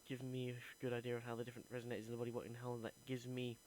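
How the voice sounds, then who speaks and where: A man's voice: medium pitch, completely flat delivery, rapid-fire, darkish tone, slight background noise, poor audio. A young man, an acting student, earnestly recording a reflective voice diary and thinking aloud as he goes.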